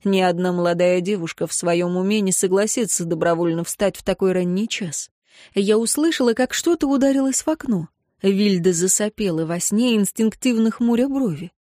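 A woman narrating a novel in the first person in a calm, measured, soft manner. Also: medium pitch, dry recording, studio quality. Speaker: audiobook narrator. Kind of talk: first-person book reading.

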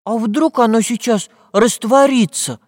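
A man voicing an eager, excitable young boy. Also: extremely high pitch, measured pace, no room sound, studio quality, in a large hall, voice pushed up.

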